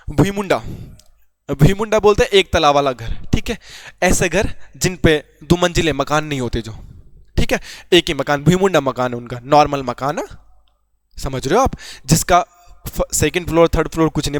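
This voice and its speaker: A man's voice: fairly high pitch, no echo. A young man from Garhwal teaching an informal exam-prep lesson, chatty, asking and answering his own questions. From Uttarakhand, Garhwal.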